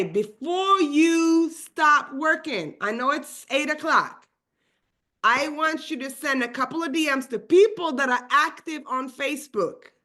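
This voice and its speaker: A woman whose first language is Swedish, leading a live online training session in a fast, energetic and chatty way, full of asides. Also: high-pitched. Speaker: real estate trainer.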